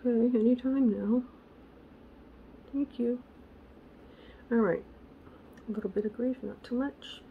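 Raspy woman losing her voice. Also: fairly high pitch, steady tone, measured pace, long pauses, phone-quality sound, a little hiss or hum. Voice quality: gravelly. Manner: chatty, self-correcting, muttering asides to herself. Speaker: craft channel host. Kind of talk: casual crafting tutorial.

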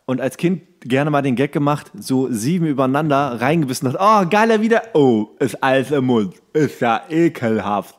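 A man's voice: medium pitch, expressive, normal speed, hardly any pauses. A man co-hosting a podcast in casual comedic chat, talking in a crude, colloquial, jokey way. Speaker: podcast co-host.

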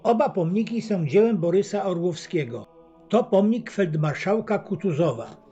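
A man giving a scripted travel narration as a voice-over, reading facts and figures in a measured, even way. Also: high voice, breathy edge. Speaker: documentary narrator. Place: voice-over, not recorded at the pictured site. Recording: dull lo-fi voice-over with faint choir music.

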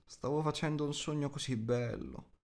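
A man's voice: fairly high pitch, steady tone, normal speed, darkish tone, voice pushed up, lightly acted. A drowsy, grumbling hobbit from a storybook performed by a man. He mutters his complaints sleepily.

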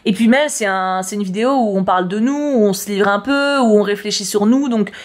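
A woman's voice: mid-range voice, fairly quick. A woman chatting casually as she reads tarot horoscopes, slangy and prone to repeating words. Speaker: YouTuber reading tarot horoscopes. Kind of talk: casual chat.

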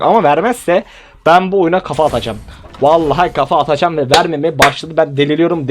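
A young man giving casual, animated gameplay commentary, pleading with and exclaiming at the game as he plays. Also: fairly high pitch. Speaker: gaming YouTuber.

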